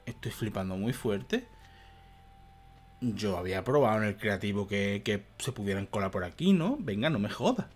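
A man's voice: fairly low pitch, lively intonation, moderate pace, a little mellow, breathy edge. A young man commentating a video game, exasperated, swearing and muttering to himself. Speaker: gaming youtuber. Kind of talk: let's play commentary.

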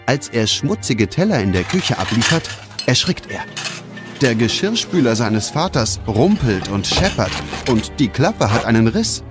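Expressive male storyteller over music. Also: medium pitch, unhurried. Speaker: narrator. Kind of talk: scripted narration of children's audio story. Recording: music behind the narration.

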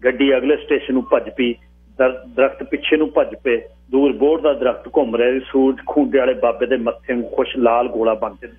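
A male radio host reading a short story aloud in a steady, expressive storytelling manner. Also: medium pitch, a little fast, breathy edge. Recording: tinny phone-like radio broadcast.

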